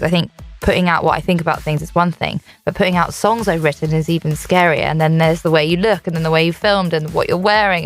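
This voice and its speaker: A young woman singer from England talking candidly and chattily in a radio studio interview, laughing easily. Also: low-pitched. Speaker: singer guest.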